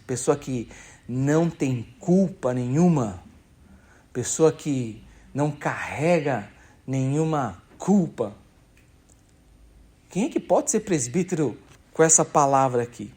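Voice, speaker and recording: Man preaching with lively pitch. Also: slow. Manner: conversational, emphatic preaching with rhetorical questions. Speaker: pastor. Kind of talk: sermon. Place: church.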